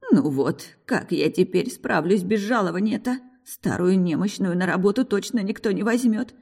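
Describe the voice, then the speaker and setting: A woman's voice: medium pitch, expressive, normal speed, creaky, a little mellow, slightly rough, dry recording, studio quality, voice pushed up. A woman voicing a stern older nanny who scolds and lectures in a reproachful tone, in a fantasy audiobook. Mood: worried.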